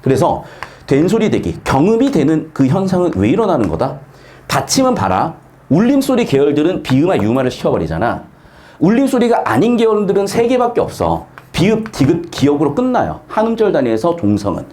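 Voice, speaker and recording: A middle-aged man lectures on grammar, his fairly high voice leaping up and down with great energy. He keeps tossing rhetorical questions at the class and drops into blunt, slangy asides. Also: a little fast. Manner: lively, swings pitch widely, asks rhetorical questions, blunt slangy asides. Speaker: Korean grammar tutor.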